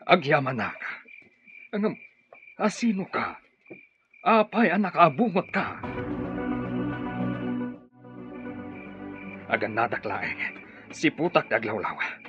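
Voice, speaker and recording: An actor playing an anxious captive tribal leader in an Ilocano radio drama, with agitated, gasping exclamations. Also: male voice, fairly high pitch, big pitch swings, unhurried, pauses often. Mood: wary, grateful. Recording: muffled radio drama, loud background music.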